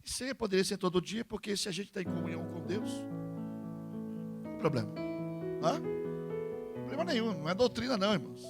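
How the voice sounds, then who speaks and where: A Brazilian man preaches to his congregation in a high, lively voice that leaps around, acting out little exchanges between church members. A guitar plays clearly behind him throughout the service. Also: fairly quick, pauses often. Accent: Brazilian Portuguese. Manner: tags lines with questioning "hã?". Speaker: pastor. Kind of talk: sermon. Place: church service with live music. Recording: church sermon over guitar music.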